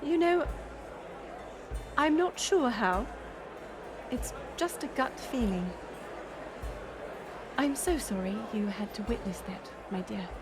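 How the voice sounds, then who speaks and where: Playing a proud, weary middle-aged queen mother in a dramatic audio roleplay, a woman is formal and commanding yet placating and apologetic here. Her fairly high, expressive voice takes its time with long pauses, against music and a murmuring banquet crowd.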